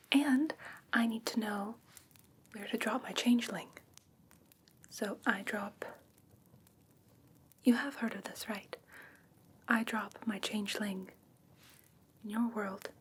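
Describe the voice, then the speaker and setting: Slow, whispering fae creature, played by a woman. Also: mid-range voice. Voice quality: breathy whisper. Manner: soothing, halting, doting personal address. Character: whimsical fae woman, coaxing, condescendingly sweet, seeking a human pet. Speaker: ASMR roleplay performer. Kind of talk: whispered ASMR fantasy roleplay.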